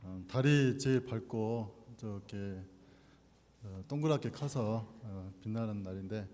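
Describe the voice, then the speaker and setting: A man's voice: fairly low pitch, measured pace, a little mellow. A man preaching as a pastor at a church service, speaking from the pulpit in an echoey hall. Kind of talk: sermon with scripture reading and prayer. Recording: echoey hall with long reverb.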